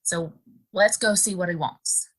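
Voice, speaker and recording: A woman's voice: on the low side, measured pace, poor audio. A woman playing a sweet, earnest, modest young woman of the frontier in a western audio play. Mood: gentle, concerned.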